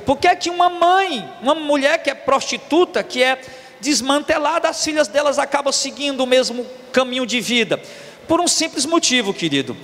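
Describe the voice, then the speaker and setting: A Brazilian pastor in his forties preaches a sermon in a very high, animated voice at a moderate pace, with a fairly bright tone and a long reverb tail. Speaking with a Brazilian Portuguese accent, he is emphatic and repetitive, hammering key words and calling his listeners brothers.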